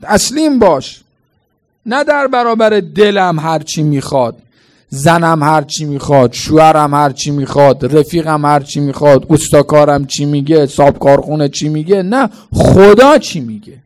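A man preaching a sermon at a mourning gathering, firing rhetorical questions and answering them emphatically. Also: fairly high pitch.

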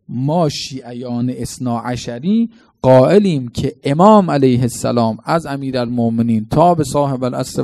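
A man's voice: medium pitch, mellow, no room sound, studio quality. A man preaching a colloquial sermon, telling stories dramatically and quizzing the congregation with questions.

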